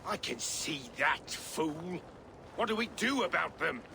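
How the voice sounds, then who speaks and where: A man's voice: a little high, lively intonation, a little slow, vocal fry. An actor playing a proud, stubborn Christian king in a game cutscene, haughty and declamatory in his delivery. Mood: irritated. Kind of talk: dramatic game cutscene acting. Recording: noisy outdoor ambience behind.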